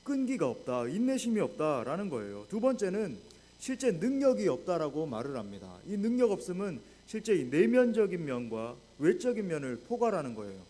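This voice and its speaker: A man's voice: high voice, sing-song, a little fast, dark tone. A man who is a senior pastor, preaching a sermon in a church, often speaking to the congregation directly and asking rhetorical questions.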